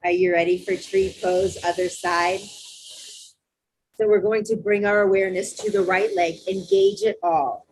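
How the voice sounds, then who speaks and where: A woman teaching a live online yoga class, cueing poses step by step in a loud, encouraging, chatty way over a video call. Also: mid-range voice, steady tone, normal speed, husky, rough recording. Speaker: yoga instructor.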